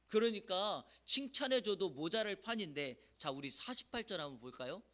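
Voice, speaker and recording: A man's voice: high voice, expressive, moderate pace, bright, forceful tone. A male pastor giving an early-morning sermon in a church, often putting questions to the congregation with emphasis.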